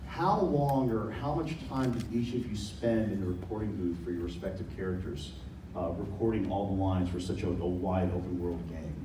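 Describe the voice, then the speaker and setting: A man with a deep voice moderates a convention panel in a chatty, self-deprecating way. He's heard through a table mic from far back in the audience, with the big hall echoing and noise all around. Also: moderate pace. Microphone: table mic, heard from a phone in the audience. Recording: echoey hall, phone from far off.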